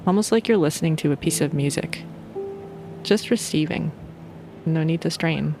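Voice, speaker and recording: A woman's voice: deep voice, moderate pace, over music. A woman leading a guided sleep meditation in an informal, playful and soothing way.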